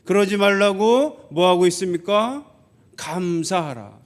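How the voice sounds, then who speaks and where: A man's voice: high voice, unhurried. A male pastor preaching a sermon to his congregation, asking rhetorical questions and acting out grumbling children in quoted lines.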